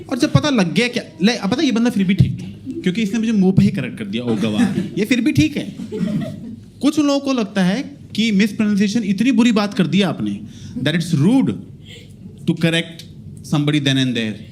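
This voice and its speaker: Animated high-voiced male stand-up comic. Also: moderate pace, background noise. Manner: animated storytelling with acted-out dialogue. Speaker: stand-up comedian. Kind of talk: stand-up comedy set. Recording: live stage set with loud audience laughter. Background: audience laughter.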